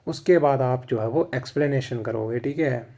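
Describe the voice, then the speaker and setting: A man's voice: medium pitch, moderate pace, mellow. A man with an Indian accent explains a lesson plan in casual instructional Hindi mixed with English, often checking "theek hai".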